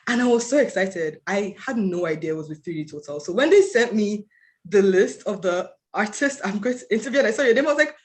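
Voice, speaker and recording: An interviewer hosting a casual chat, speaking excitedly with many fillers like you know and like. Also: mid-range voice, fairly quick. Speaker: interviewer host. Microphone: video call.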